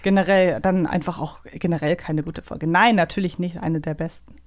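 A woman's voice: on the low side, steady tone, normal speed, no room sound, clean studio sound. A woman hosting a podcast, chatting casually and enthusiastically, thinking aloud in long winding sentences. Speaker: podcast host. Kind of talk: casual fan chat and quiz banter.

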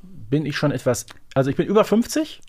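A man's voice: fairly high pitch, sing-song, fairly quick, darkish tone. A man co-hosting a podcast, playing a guessing game in casual chat and muttering to himself as he thinks. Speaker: podcast co-host.

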